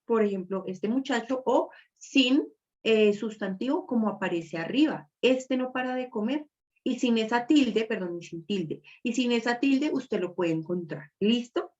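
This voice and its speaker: Lady teaching reading online, explains step by step, kinda high voice, muffled sound. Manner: explanatory, checks understanding with tags. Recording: dull lo-fi audio.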